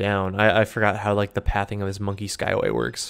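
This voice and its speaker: A normal speaking voice at a moderate pace comes through on a very clean recording with a silent background. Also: man. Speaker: gaming youtuber. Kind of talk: let's play commentary. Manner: casual, many filler words.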